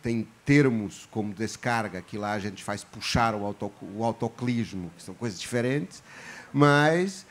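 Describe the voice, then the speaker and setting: A man from Portugal whose accent leans Brazilian, speaking as an author on a festival panel, reflective and halting, with many restarts. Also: lowish voice, a little hiss or hum. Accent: Portuguese, softened toward Brazilian. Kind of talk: panel discussion.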